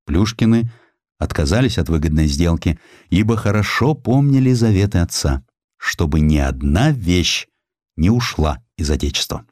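Guy narrating history audiobook, low voice, really animated and theatrical, dry close studio sound. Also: moderate pace, no room sound. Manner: expressive, theatrical storytelling with acted quotes. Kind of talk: scripted narration of a historical essay.

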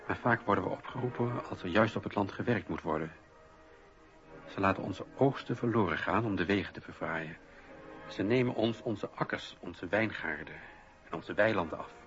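An old, weary philosopher with a very low voice, full of indignation. He declaims his radio-play monologue deliberately and rhetorically. The recording is dull and lo-fi, with music behind it. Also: a bit bright.

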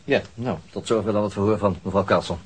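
An actor playing a businesslike, probing police detective in a crime radio drama, with a conversational, prodding manner. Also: male voice, on the low side, fairly even intonation, fast talker, a little hiss or hum, close to an everyday voice. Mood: reflective. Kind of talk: audio crime drama acting.

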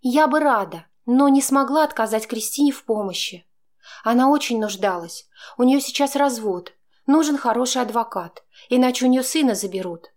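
A woman reader voicing a young woman who bristles and argues heatedly with her partner, in a much higher voice than her own. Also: a little mellow, lightly acted. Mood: pleading. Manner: indignant, quick to flare up.

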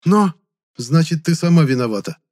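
Casting: reader playing a raised-voice brash young guy, loud and cutting. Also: fairly high pitch, animated, moderate pace, voice pushed up, lightly acted. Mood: scolding. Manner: blunt, scolding. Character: sharp-tongued young male hero, blunt and scolding.

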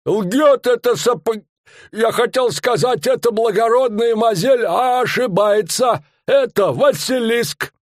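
A man voicing a loud, boastful middle-aged male fairground barker with rustic old-fashioned speech and drawn-out showman's patter. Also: extremely high pitch, no room sound, studio quality, pitched above the performer's own voice. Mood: indignant.

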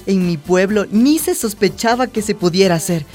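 A woman's voice: mid-range voice, expressive, normal speed, a little mellow, natural voice. An actress playing a hopeful young trans woman from a small town, narrating her story earnestly in a radio drama. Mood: earnest, nostalgic. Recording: music bed behind the voice.

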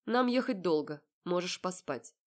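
Calm, serious young man, read by a woman narrator, slow and even in an audiobook. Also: on the low side, lightly acted. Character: calm, self-assured young man kidnapping his fiancée's sister.

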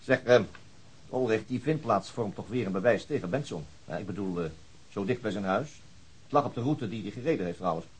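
Husky, methodical police detective. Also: male voice, lowish voice, lively intonation, a little fast. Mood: pensive. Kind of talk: radio drama acting.

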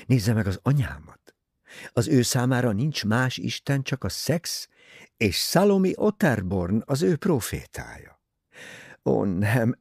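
Man voicing a bitter young woman, raspy, lively pitch, dry. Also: no room sound, exaggerated voice.

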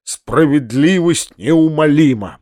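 A man voicing an excitable middle-aged landowner uncle, a former cavalry officer, who swings from heartfelt pleading to shouted orders. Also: mid-range voice, normal speed, no room sound, clean studio sound, lightly acted. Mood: agitated. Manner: emotional, bursts into furious shouted orders.

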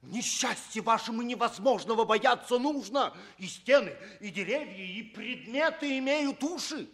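An actor playing an anxious, loyal servant who cautions in an agitated, theatrical radio drama manner. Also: male voice, very high voice, expressive, moderate pace, fairly bright tone, exaggerated voice. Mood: anxious, warning. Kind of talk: theatrical radio play acting.

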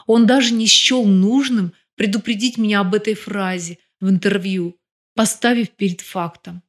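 Sharp-tongued headstrong crime boss, read by a woman. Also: medium pitch, steady tone, normal speed, natural voice. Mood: defiant. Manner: sharp, cutting.

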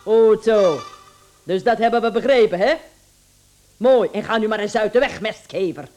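A radio-drama charwoman, played by an actress, with a medium-pitched voice. She talks in a cheeky, familiar way, outwardly polite but brash and fearless underneath. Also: moderate pace, a little mellow, soft background music, natural voice. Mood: brash, taunting. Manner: cheeky, chatty, chuckling. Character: brash, chuckling, fearless charwoman with a sly streak.

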